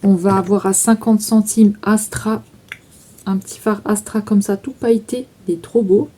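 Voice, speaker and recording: A woman's voice: mid-range voice, steady tone, normal speed, mellow. A woman chatting casually through a makeup declutter, with frequent fillers, stumbling over English names. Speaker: vlogger selling makeup. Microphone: phone.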